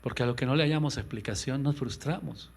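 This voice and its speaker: A male pastor preaches with fervor, his gravelly voice jumping to loud, raised lines and then sinking to a hush. His voice sits at an ordinary middle pitch, and he acts out quoted speakers by raising it. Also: fast talker. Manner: impassioned preaching with sudden loud rises and hushed drops. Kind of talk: radio sermon.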